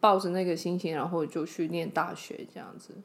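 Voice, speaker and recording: A woman is speaking at a moderate pace. Her pitch is medium. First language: Cantonese (speaking Chinese). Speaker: podcast co-host. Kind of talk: casual chat.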